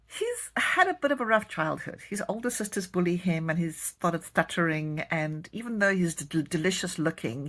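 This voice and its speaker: A woman from South Africa with a South African accent, a romance author chatting to camera as she tells the story of her new book. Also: low voice. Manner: chatty, warm storytelling of a plot summary.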